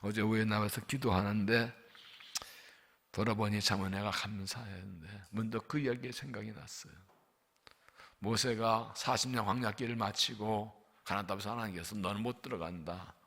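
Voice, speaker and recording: A middle-aged man preaching as senior pastor, impassioned, moving between soft murmurs and loud pleading cries in an emotional early-morning sermon and prayer. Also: lowish voice, steady tone, normal speed, vocal fry.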